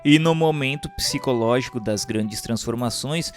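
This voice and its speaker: A man's voice: medium pitch, normal speed, soft background music. A man with a Brazilian accent giving a solemn scripted narration of a spiritual text, in a formal, declamatory manner.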